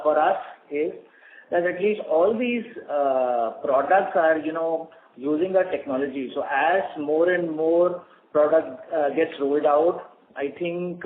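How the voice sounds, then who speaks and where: A man speaking as a company executive, answering questions on an earnings call in a halting, hesitant way. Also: fairly high pitch, narrow, tinny audio. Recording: echoey, noisy, band-limited conference line.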